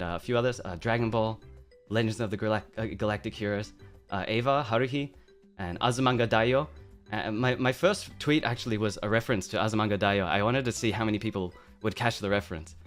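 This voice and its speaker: A man with a fairly low voice talks a little fast over faint background music, chatting playfully on a stream about what he likes and what interests him. A native English speaker, he opens with mock toughness, then rambles through asides and fillers in casual live-stream talk.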